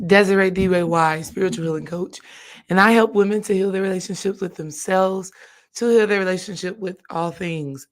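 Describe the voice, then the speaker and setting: A woman, hoarse from coaching, chatting casually on a live stream as a spiritual healing coach. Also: medium pitch. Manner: chatty, addresses viewers directly.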